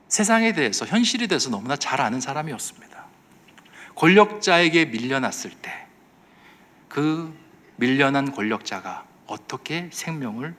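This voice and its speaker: A man preaching a sermon as pastor at a midweek church service, with emphatic surges and drops in loudness. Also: mid-range voice.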